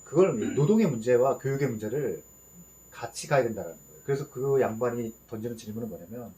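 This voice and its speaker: Measured man explaining in a discussion. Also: medium pitch, lively intonation, dark tone, slight background noise. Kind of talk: casual roundtable discussion.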